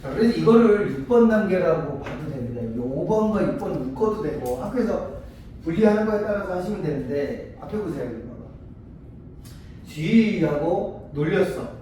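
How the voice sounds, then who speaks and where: At a moderate pace, this male tutor of Korean literature teaches in a high, animated, mellow voice. Frequent check-in questions to his students mix with little acted-out exchanges that make his points. Faint noise and heavy room echo come through a mic placed far off.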